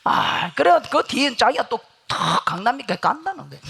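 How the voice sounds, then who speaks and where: A woman preaching a revival sermon in a church with a Gyeongsang Korean accent, telling stories, loud one moment and hushed the next. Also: on the high side, big pitch swings, normal speed, gravelly, a little hiss or hum. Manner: storytelling, swings from loud to hushed. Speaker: guest pastor. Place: church sanctuary.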